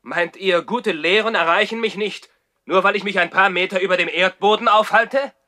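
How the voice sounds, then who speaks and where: An actor playing a defiant, courtly young baronet in a German radio play from the 1960s. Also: male voice, high voice, moderate pace, pushed and bright. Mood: proud, defiant. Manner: stilted courtly politeness turned cheeky and defiant. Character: defiant young baronet boy living in the trees.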